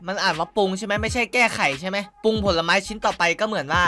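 A young man giving casual gameplay commentary, excitable and swearing freely while talking straight to his viewers. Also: sits high, fast. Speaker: gaming YouTuber. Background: background game music.

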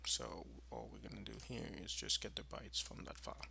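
A man presenting an informal screencast tutorial, explaining in a halting, improvised way. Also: extremely low pitch, big pitch swings, vocal fry, sharp tone, slight background noise.

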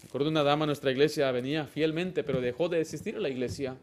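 A man preaching a sermon as pastor, animated, with sudden loud exclamations and quiet asides, and acting out other people in quoted lines. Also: a little high, racing. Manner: acts out children and church members in quoted lines.

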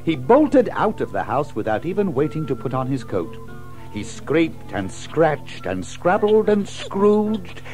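A male narrator reads a storybook with theatrical relish. His fairly high voice moves freely up and down at a slow pace, lingering on lists and alliteration. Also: darkish tone, rough recording. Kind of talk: expressive scripted storybook narration.

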